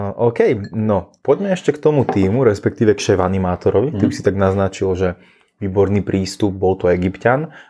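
A dark, mellow tone at a fairly quick pace, with ordinary pitch variation and big swings in loudness, over a quiet background. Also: man, fairly low pitch for a man. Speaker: podcast host and recruiter for resort entertainers. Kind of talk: casual interview.

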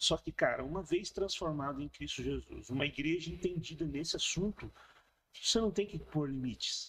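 Fairly high-pitched male voice with vocal fry, ordinary pitch variation and a moderate pace. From Brazil, Almirante Tamandaré, Paraná (Curitiba area). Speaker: pastor, church founder. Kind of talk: casual interview chat.

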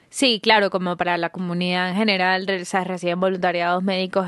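A woman with a medium-pitched voice is speaking. She keeps a moderate pace. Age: 30s. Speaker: dentist on a volunteer trip. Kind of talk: casual chat.

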